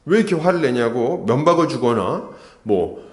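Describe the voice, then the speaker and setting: A man's voice: mid-range voice, expressive, moderate pace, reverberant. A male pastor preaching an expository sermon, often asking the congregation questions and acting out what people might have said. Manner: asks the congregation questions, acts out quotes. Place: church sanctuary.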